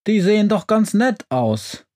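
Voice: medium pitch, very animated, a little slow, mellow, no room sound, clean studio sound, voice pushed up. A narrator voicing a small, plump, lonely talking stove on a chicken leg that whines and pleads. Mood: pleading. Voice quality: whiny, pleading.

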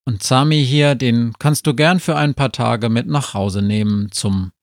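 A man's voice: mid-range voice, measured pace, no echo, clean studio sound, lightly acted. A man voicing a grumpy, scheming dwarf who grumbles and snorts in a storybook reading.

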